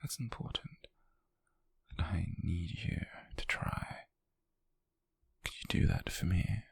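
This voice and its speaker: A man's voice: low-pitched, exaggerated voice. Man acting a whispering, possessive young British yandere. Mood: patient coaxing. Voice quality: breathy, husky whisper. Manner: halting, deliberate, coaxing. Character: possessive, wealthy young yandere man, softly menacing and patient. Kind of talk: whispered ASMR roleplay.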